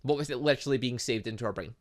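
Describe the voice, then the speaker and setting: A man's voice: mid-range voice, very fast. A man hosting a gaming video, reading game dialogue aloud with chatty asides and sometimes stumbling over words. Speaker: gaming channel host.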